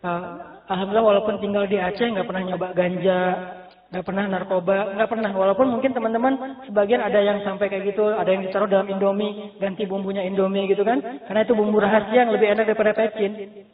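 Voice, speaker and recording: A man's voice: sits high, level tone, quick pace. A man giving a casual, joking sermon and acting out bits of dialogue. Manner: chatty and joking, acts out dialogue. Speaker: preacher. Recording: tinny phone-like, roomy echo.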